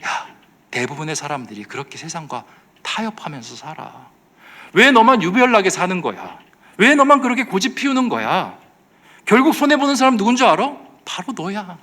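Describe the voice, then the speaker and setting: A man's voice: on the high side, expressive, normal speed, fairly bright tone. A man voicing the world as a taunting male tempter who needles with questions.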